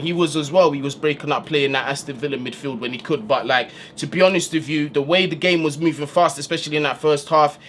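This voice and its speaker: A man's voice: fairly high pitch, a bit bright, slight background noise. A man giving a casual, slang-filled post-match breakdown as a football fan channel host, recorded indoors in a room. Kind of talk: post-match analysis monologue.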